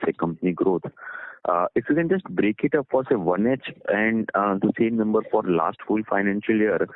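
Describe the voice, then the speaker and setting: A low-voiced man asks a question as an analyst on an earnings call. The sound is dry and squeezed through a phone line. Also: no echo. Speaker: investment analyst asking questions.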